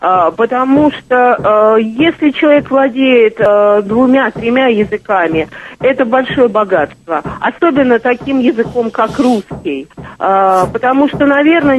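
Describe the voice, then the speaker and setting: A woman's voice: a little high, slight background noise. A woman journalist calling in to a radio interview, answering hesitantly with many fillers. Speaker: journalist and guest. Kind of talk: phone-in interview. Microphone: telephone. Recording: tinny phone line.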